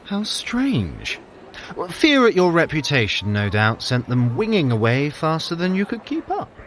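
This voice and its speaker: An actor playing a sly, haughty trickster god with a droll, theatrical, sarcastic manner in an audio drama. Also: male voice, fairly high pitch, huge pitch swings, a little slow, fairly bright tone, a little hiss or hum, full character voice. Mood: feigned innocence. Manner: droll, theatrical, feigned innocence. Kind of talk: scripted audio drama dialogue.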